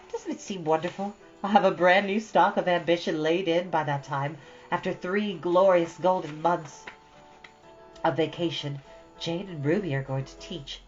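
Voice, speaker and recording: A woman's voice: on the low side, a little mellow, dull audio, voice pushed up, lightly acted. Woman voicing an eager, earnest storybook teenage girl. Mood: excited, hopeful. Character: eager, bright teenage girl, hopeful and tender. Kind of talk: expressive storybook reading.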